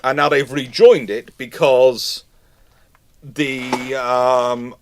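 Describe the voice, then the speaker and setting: A man's voice: mid-range voice, little pitch movement, extremely slow. Male live-stream host, unscripted and discursive, stop-start delivery, prone to exasperated asides. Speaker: host of a live naval history question stream.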